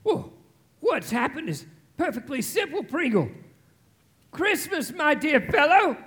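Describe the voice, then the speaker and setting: An actor playing a reformed old miser, hearty and exclamatory, in a theatrical radio play recorded live on stage. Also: male voice, extremely high pitch, big pitch swings, unhurried, fairly bright tone, exaggerated voice. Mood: joyful, tender. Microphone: shared stage microphone.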